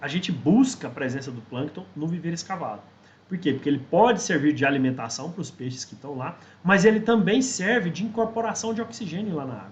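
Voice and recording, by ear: A man puts on a hoarse character voice at a high pitch. He goes at a fairly quick pace with big swings in loudness.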